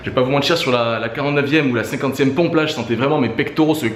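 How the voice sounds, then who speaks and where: A YouTuber doing a fitness challenge talks rapidly in a mid-range voice between sets of push-ups, casually urging his viewers on like friends. The room is echoey, with faint background noise.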